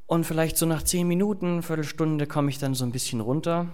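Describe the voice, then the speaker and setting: A man's voice: fairly high pitch, fairly quick, a little mellow, smooth. A man preaching, reading scripture and chatting casually with the congregation with fillers and asides. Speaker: pastor. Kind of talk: sermon with Bible reading.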